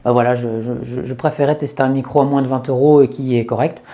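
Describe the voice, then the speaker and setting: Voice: mid-range voice, fairly even intonation, quick pace, warm tone. A YouTuber reviewing gear in a chatty, step-by-step way with many hesitations, speaking into a lapel mic. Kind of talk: casual tech review. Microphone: lapel microphone.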